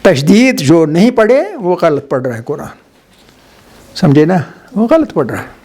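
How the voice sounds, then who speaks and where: A middle-aged man teaching Quran recitation, drawing out syllables slowly to demonstrate them. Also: on the high side, sing-song, a little mellow, breathy edge. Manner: slow drawn-out demonstration of syllables. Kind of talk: religious lesson on Quran recitation.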